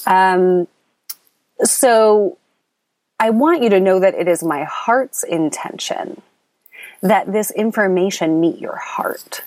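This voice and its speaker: A woman's voice: mid-range voice, takes it slowly, pauses often, a little mellow, no echo. A woman hosting a spiritual coaching podcast, talking earnestly and meandering with many ums and restarts, her voice a little scratchy. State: slightly scratchy voice. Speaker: podcast host. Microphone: app recording, close mic.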